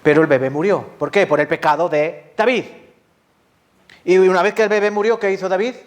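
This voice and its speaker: A man's voice: sits high, brisk. Impassioned Spanish man preaching a sermon. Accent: Spanish from Spain. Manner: impassioned, asks the congregation questions and answers them himself. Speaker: pastor.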